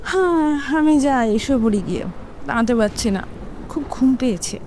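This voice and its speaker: A woman's voice: sits high, animated, brisk, darkish tone, a little hiss or hum, low-quality recording. A woman playing a weary young ghostly wife in a horror audio drama, with a tired, sighing delivery. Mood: weary, plaintive.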